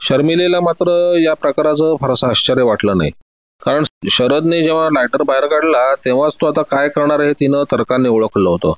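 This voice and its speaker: A man reading a detective story aloud in a steady, dramatic storytelling manner. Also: on the high side, a little fast, no echo, dull audio. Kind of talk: scripted story narration.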